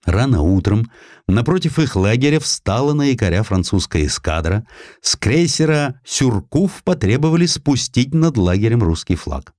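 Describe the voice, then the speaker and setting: A man reading historical prose as an audiobook narrator, in an expressive, dramatic storytelling manner. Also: mid-range voice, moderate pace, no room sound, clean studio sound.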